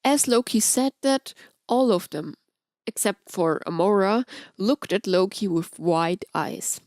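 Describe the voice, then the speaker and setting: A woman's voice: mid-range voice, slow pace, a little mellow, no room sound, studio quality. A woman reading scripted fan fiction aloud as an audiobook narrator.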